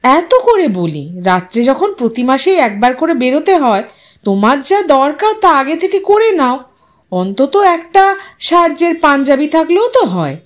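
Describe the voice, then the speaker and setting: A woman's voice: high-pitched, very animated, a little slow. A woman voicing a fussy, reproachful young wife who is fond of her husband, in an audio story. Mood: reproachful complaint.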